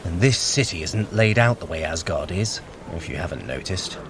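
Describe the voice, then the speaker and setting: A man's voice: sits low, expressive, moderate pace. A man playing a sly, impatient male trickster god in an audio adventure, giving clipped commands and sardonic remarks. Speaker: workout guide in audio adventure. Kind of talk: scripted audio drama with exercise cues. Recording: clear outdoor city ambience noise. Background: outdoor street sounds.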